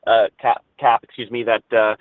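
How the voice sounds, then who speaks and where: A man's voice: medium pitch, little pitch movement, moderate pace, dry recording. A man, a financial analyst, asking wordy, hesitant questions on an earnings call. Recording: dry, tinny phone line.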